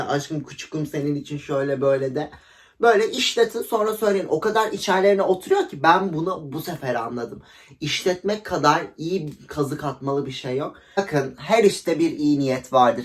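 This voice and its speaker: A young woman telling a story in a casual vlog, gossipy and dramatic, acting out quotes with laughter. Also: deep voice. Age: young adult. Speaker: vlogger.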